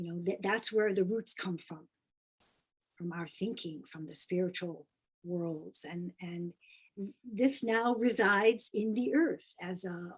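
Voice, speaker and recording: A woman speaks at a fairly slow pace in a medium-pitched, somewhat breathy voice, with ordinary pitch variation, long and frequent pauses, and big swings in loudness. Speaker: study group leader. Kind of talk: group lecture over video call. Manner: repetitive, halting starts.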